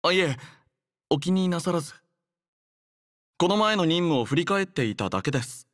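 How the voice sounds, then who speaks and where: A dutiful young android adjutant from an anime game. His voice sits a little high for a man and is recorded very dry and close. He speaks with formal courtesy, composed and earnest, measuring out each phrase. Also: animated, normal speed, a bit bright, dry recording. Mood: considerate, composed. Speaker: game character voice. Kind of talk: scripted anime game voice lines.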